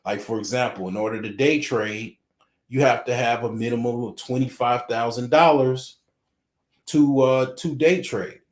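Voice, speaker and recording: A man's voice: mid-range voice, moderate pace, echoey room. A man from the suburbs, hosting a casual livestream, rambling with constant "you know" fillers and frequent chuckles. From Chicago suburbs, Illinois. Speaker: livestream host. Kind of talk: casual livestream chat reading viewer comments.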